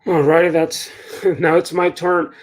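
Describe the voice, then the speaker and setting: A young man with a strong Mexican accent reads aloud from his novel over a webcam in a room lined with books. He reads slowly and deliberately, in a casual, self-deprecating manner. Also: a little high, level tone. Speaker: author reading his novel. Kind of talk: reading fiction aloud. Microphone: video call webcam.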